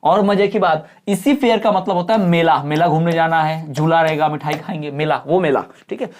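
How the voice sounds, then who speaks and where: A male teacher lecturing in a casual mix of Hindi and English. He keeps checking in with his listeners and answers his own questions. Whenever he reaches an English definition, he reads it out slowly and carefully. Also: fairly high pitch. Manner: calls listeners "bhai" informally.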